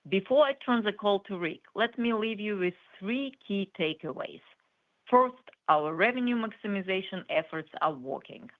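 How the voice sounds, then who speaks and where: A woman company executive reading a scripted corporate earnings presentation in a measured, formal way. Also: lowish voice. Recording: muffled, band-limited conference call audio.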